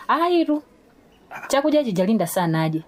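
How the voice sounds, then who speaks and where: A woman's voice: mid-range voice, sing-song, normal speed, darkish tone, a little hiss or hum, natural voice. An actress playing a scornful young pious female student in a radio drama, with a Malawian accent and a blunt, scolding, mocking way of talking. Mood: teasing, polite.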